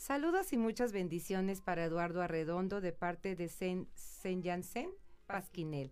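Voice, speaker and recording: Against a silent background, the recording is very clean. The woman's voice sits at a medium pitch. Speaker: radio host. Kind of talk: radio talk show.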